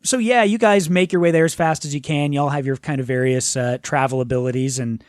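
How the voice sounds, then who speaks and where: A man's voice: fairly high pitch, brisk, dry recording, clean studio sound. A man improvising casual tabletop game narration as game master, informal and given to swearing.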